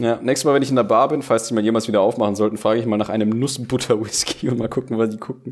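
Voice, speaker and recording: A man speaks very fast, with hardly any pauses. His medium-pitched voice stays monotone and flat. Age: young. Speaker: podcast co-host. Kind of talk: casual chat.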